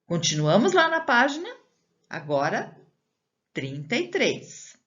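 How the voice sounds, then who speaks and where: A woman's voice: fairly high pitch, wildly swooping pitch, slow, fairly bright tone, lo-fi sound. A Brazilian woman teacher giving a recorded lesson to children, explaining patiently, stretching out syllables and asking the pupil questions as she goes. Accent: Brazilian Portuguese.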